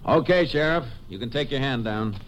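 A man's voice: mid-range voice, animated, brisk, noisy background, natural voice. An American man playing a terse, matter-of-fact Texas Ranger investigator in a 1950s radio western. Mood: analytical. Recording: old 1950s radio recording.

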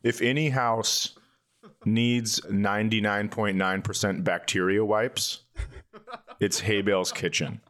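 A man with a fairly low voice hosts a comedy podcast. He talks in loose, casual banter with a playful, crude sense of humor. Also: fairly even intonation, slow, a bit bright. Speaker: podcast host.

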